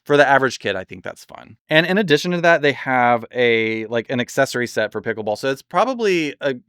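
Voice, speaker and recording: A man chatting casually and enthusiastically in a product review, rambling with lots of fillers, his voice slightly hoarse from overuse. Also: medium pitch, big pitch swings, a little fast, a bit bright, dry recording, clean studio sound. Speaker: doll collector reviewing products.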